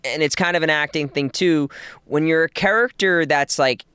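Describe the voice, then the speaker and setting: A man hosting a casual interview, relaxed and conversational, who laughs along with his guest. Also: on the high side, moderate pace, smooth, no room sound, studio quality. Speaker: interview host and voice actor.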